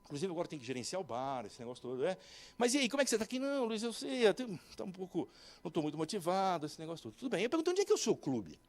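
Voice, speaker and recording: Male, middle-aged, Brazilian accent, animated motivational speaker, fairly high voice. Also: very fast. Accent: Brazilian Portuguese. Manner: animated, acts out dialogue, addresses audience directly. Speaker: speaker at a business talk. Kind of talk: motivational talk with told stories.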